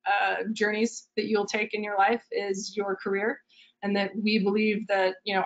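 A woman startup founder calmly explaining her company on a video call, with fillers as she thinks. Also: medium pitch. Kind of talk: answering questions on a video call. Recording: dull lo-fi video call audio.

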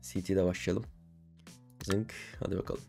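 A young man giving casual gaming commentary, excitable and given to swearing, shouting when he wins. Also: sits low, measured pace, creaky, music in the background. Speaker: gaming streamer.

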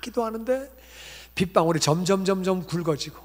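A middle-aged man preaching a revival sermon, telling stories and acting out conversations with lively shifts in voice. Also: sits high, brisk. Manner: animated, acts out dialogue with God and himself. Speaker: pastor. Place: church sanctuary. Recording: long church hall reverb.

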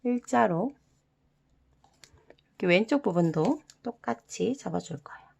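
A young woman hosting an origami tutorial for children, giving soft, half-whispered step-by-step instructions with playful sound words. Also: mid-range voice, lively intonation, unhurried, creaky, husky. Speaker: origami channel host.

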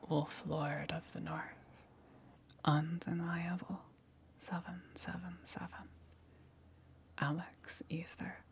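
A woman ASMR creator giving a whispered thank-you reading in a breathy voice. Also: low-pitched, a little hiss or hum.

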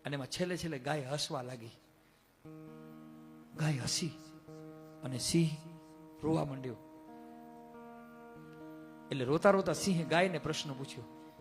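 High-voiced preacher. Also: male voice, moderate pace, pauses often, soft background music. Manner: earnest, homely storytelling with village sayings. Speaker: temple head giving a satsang. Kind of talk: folk storytelling sermon.

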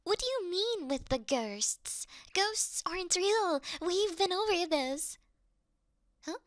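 Woman doing a cute clumsy thief girl for asmr rp, high voice, slow halting pace, stammery fake tough. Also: animated, no echo, clean studio sound, heavily acted. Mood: panicky. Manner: stammering, flustered, falsely tough. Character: clumsy, cute young female thief, blustering but easily frightened. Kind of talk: ASMR roleplay acting.

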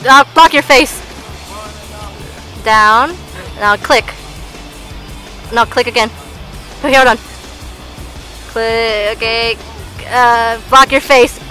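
A woman's voice: a little high, slow pace, pauses often, sharp tone, faint music behind, rough recording. A young woman directing friends through a video shoot outdoors, calling short repeated commands and breaking into giggles. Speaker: video director filming on a phone. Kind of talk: giving directions between takes. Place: outdoors on a busy street.

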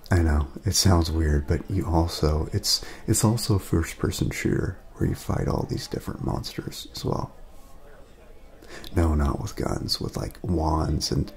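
A man speaking softly in a casual ASMR roleplay, laid-back and friendly, chatting as if to a friend. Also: very deep voice, measured pace. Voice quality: soft, breathy at times, creaky.

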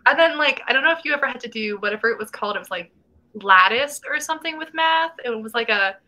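Brief: woman, mid-twenties, livestream host, bright chatty voice, webcam sound from a small room. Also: a little high, animated, fast. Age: 20s. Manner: chatty, reads chat comments aloud, laughs often. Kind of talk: casual livestream chat. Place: small room at home, indoors. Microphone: webcam video call.

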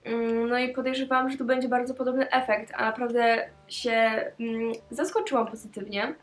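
A woman's voice: fairly high pitch, steady tone, normal speed. A teenage girl chatting cheerfully as she unboxes gifts in a casual vlog, with many small hesitation sounds, recorded in her bedroom on a camera mic. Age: teens. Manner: chatty and cheerful, with frequent "e" fillers. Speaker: vlogger.

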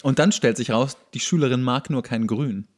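A man's voice: mid-range voice, moderate pace. A man co-hosting a podcast, commenting on a TV show in a casual, wry and playful way. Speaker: podcast co-host.

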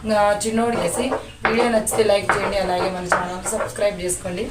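A woman's voice: medium pitch, fairly even intonation, racing, far from the mic. A woman from India chatting casually as a vlogger, explaining a home remedy step by step. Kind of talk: casual vlog narration. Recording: echoey room, off-mic, noisy.

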